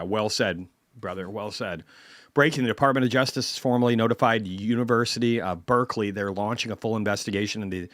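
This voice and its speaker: A man's voice: lowish voice, fairly bright tone, no room sound, clean studio sound. A man hosting a market commentary stream, ranting bluntly and swearing heavily.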